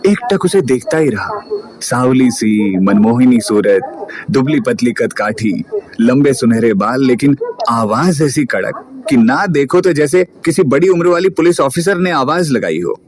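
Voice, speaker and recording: A man narrating a story in a lively, colloquial way. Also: mid-range voice, unhurried, a crowd in the background. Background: music.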